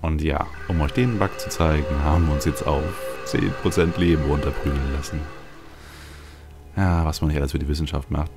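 A man with a very deep voice full of vocal fry talks through a video game. He rambles casually, thinking aloud as he plays. Game music runs clearly behind him. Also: fairly even intonation, fairly quick. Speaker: let's play host. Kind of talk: casual gameplay commentary.

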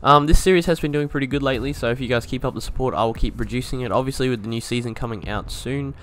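A man's voice: medium pitch, fast, a bit bright, a little hiss or hum. A young man giving casual gameplay commentary as a video creator, laid-back, thinking aloud and swearing now and then. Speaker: gaming YouTuber.

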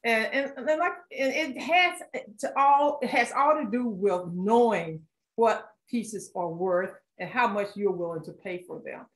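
A woman's voice: a little high, expressive, a little slow, a bit bright, echoey room, low-quality recording. A woman art collector from Philadelphia, talking casually as a guest at an author talk, with many fillers and restarts. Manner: chatty, many fillers and restarts, laughs often.

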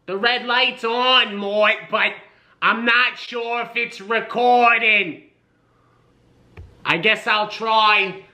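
A man's voice: high voice, fairly even intonation, drawn-out words, long pauses, bright, forceful tone, heavily acted. A man playing a fussy, doubtful elderly Jewish grandmother in a comic monologue. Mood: fretful. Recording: roomy kitchen, distant camera mic.

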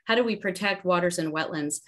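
A woman's voice: fairly low pitch, fairly quick, a bit bright. A woman in her forties from New Jersey with an American accent, giving an explanatory panel answer on a video call. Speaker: panelist, environmental scientist. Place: bedroom at home, indoors. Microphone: laptop video call.

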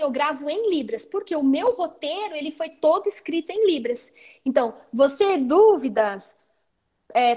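A Brazilian woman teacher giving an online training talk, explaining in a lively way and often adding "né" to check that she is followed, over a video call. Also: high voice. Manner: lively, explanatory, frequent "né" tags.

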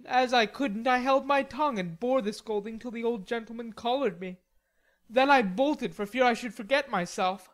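Storybook lad in a huff: female reader playing a stubborn, petulant teenage boy, pitched up, full of bluster. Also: moderate pace, close to an everyday voice. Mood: indignant. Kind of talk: storybook character dialogue.

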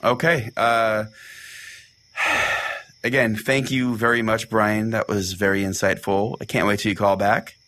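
A man's voice: lowish voice, level tone, unhurried, pushed and bright. A man playing an earnest, easily exasperated pastor who hosts a parody Christian call-in radio show.

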